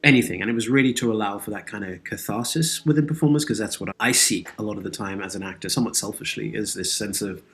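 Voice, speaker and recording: Male, lower-pitched voice; thoughtful, articulate interview guest with an earnest delivery. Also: quick pace, hardly any pauses, fairly bright tone. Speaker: interview guest, actor and audio drama creator. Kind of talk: reflective interview conversation.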